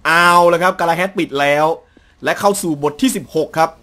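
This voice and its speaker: A young man hosting a let's play, commenting on the action and translating the game's dialogue, excitable and full of exclamations during fights. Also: on the high side, a little fast. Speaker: gaming channel host.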